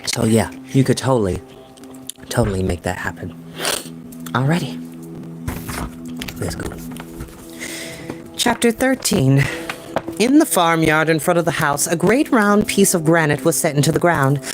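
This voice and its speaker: A man's voice: fairly high pitch, very animated, measured pace, long pauses, music in the background. A young adult man reading a book aloud as a storyteller, with casual, enthusiastic asides in slangy language. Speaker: storytime reader and host. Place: small home room with desk and bookshelves.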